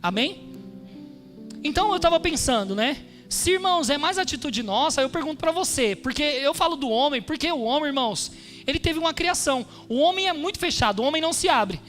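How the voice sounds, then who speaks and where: A pastor preaching a sermon in a church, emphatic, calling on the congregation with frequent amens. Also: male voice, very high voice, animated, brisk, fairly bright tone, soft background music. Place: church hall during a service.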